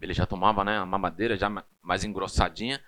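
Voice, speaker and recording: A man's voice: low-pitched, steady tone, fast, fairly bright tone. A man in his thirties with a Brazilian Portuguese accent, teaching a church class in a casual, chatty way full of personal stories and tag questions.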